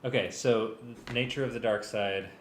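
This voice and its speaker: A man with a lowish voice talks through work casually, pausing as he thinks aloud. His manner is hesitant. The room is echoey, with a little noise behind him. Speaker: music arranger rehearsing for a live script reading. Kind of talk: casual working discussion.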